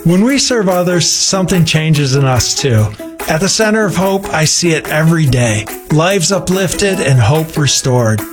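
A man's voice: a little high, lively intonation, a little slow, over music. Earnest man in a charity radio appeal. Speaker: charity executive director.

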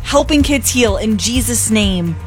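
A woman's voice: a little high, lively intonation, measured pace, soft background music. A woman radio host making an earnest fundraising appeal, urging listeners to give.

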